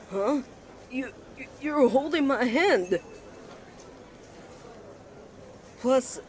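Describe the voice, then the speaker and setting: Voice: medium pitch, a little mellow, lightly acted. A voice actor playing a shy, flustered male college student in love, stammering, earnest and courteous, in a romantic ASMR roleplay. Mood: nervous, surprised. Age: young adult.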